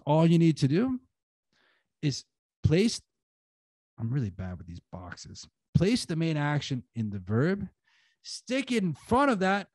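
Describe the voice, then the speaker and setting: A man's voice: a little high, darkish tone, no echo. Chatty man lecturing over a dry mic. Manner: casual, filler-heavy, uses "like" and "you know". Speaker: guest speaker, writing teacher. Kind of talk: conference talk to an online audience.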